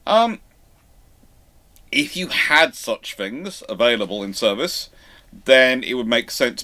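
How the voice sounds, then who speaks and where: Man explaining history in halting bursts. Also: fairly low pitch, fairly bright tone. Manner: explanatory, halting with false starts and self-corrections. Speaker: live show host and naval historian. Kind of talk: informal live Q&A commentary on naval history.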